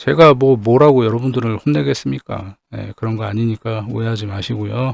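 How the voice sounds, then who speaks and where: At a moderate pace, a man with a medium pitch uses lively intonation and big swings in loudness, recorded with a dry, close sound and no echo. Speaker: divination teacher. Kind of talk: online lecture answering viewer comments. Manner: curt, blunt delivery.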